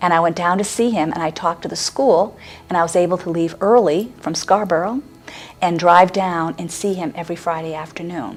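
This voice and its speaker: A woman's fairly low voice at a fairly quick pace, with music in the background. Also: ordinary pitch variation. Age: 60s. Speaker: cancer survivor. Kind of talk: testimony. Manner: conversational with hesitations.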